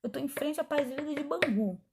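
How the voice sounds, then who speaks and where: A middle-aged woman pastor, telling her testimony in a chatty, animated way, acting out the dialogue as she goes. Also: high voice, fairly quick, vocal fry, noisy background. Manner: animated, chatty, frequent asides and quoted dialogue. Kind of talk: testimony storytelling.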